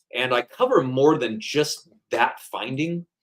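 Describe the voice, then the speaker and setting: A man is speaking. His pitch sits fairly high. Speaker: creation science author and presenter. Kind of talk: livestream presentation.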